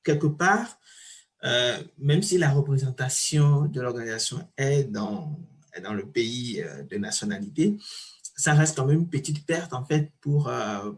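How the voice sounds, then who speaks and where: A man hosts an interview in an easygoing, conversational way. His voice sits at a middle pitch, and he hesitates often and repeats himself as he shapes his thoughts. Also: a little slow. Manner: relaxed, with many fillers and repeated words. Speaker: podcast host. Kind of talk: casual interview chat.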